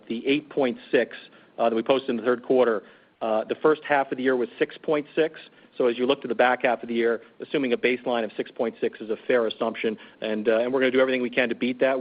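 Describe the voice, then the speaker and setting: A man answering as a finance executive on an earnings call, halting, with repeated words. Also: medium pitch. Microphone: conference call line. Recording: dull lo-fi call audio.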